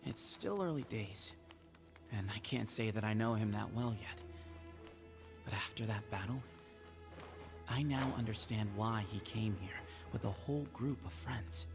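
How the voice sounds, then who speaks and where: A man voicing a composed, earnest young leader of a desert temple in a video game, speaking in a measured, formal way. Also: on the low side, music in the background. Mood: hushed, reflective. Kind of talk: scripted video game acting.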